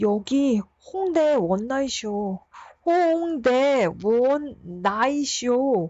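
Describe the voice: In a put-on character voice, the speaker mumbles at a very slow pace. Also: woman, high pitch for a woman.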